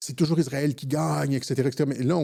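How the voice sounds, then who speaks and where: A man's medium-pitched voice in a dark, mellow tone at a very fast pace, on a very clean recording with a silent background. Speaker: political commentator. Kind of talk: political commentary monologue.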